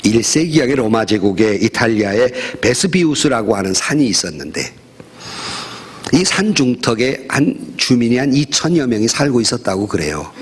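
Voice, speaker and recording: Middle-aged pastor guy giving a sermon, kinda husky voice, pitch jumps around a lot. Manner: storytelling with quoted voices, lively pitch.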